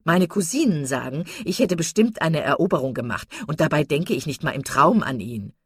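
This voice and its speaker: A woman's voice: low-pitched, animated, fairly quick, husky, no echo, clean studio sound. A woman voicing a silly, vain young woman who talks in an affected, simpering way.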